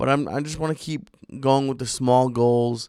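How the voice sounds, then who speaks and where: A man with a plain, everyday voice speaks at a moderate pace and a medium pitch with ordinary pitch variation. The recording is very clean with a silent background. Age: 30s. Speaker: podcast host. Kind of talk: casual chat; podcast outro.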